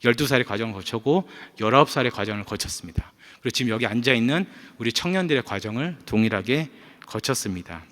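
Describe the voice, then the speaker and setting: A male pastor preaching a sermon in a church, telling personal stories in a calm, earnest way with frequent "uh" fillers. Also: medium pitch, quick pace. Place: church sanctuary. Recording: reverberant church hall.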